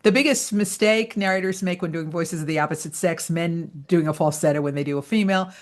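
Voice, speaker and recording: A woman's voice: lowish voice, a little fast. A woman coaching voice actors in an online training session, talking in a chatty, explanatory way and laughing easily. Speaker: voice-over coach.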